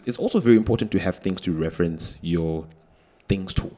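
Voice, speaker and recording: Low-voiced man musing on a podcast. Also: dark tone. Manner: reflective, halting with restarts. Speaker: podcast co-host. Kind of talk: casual panel discussion. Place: small podcast studio. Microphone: studio mic with headphones.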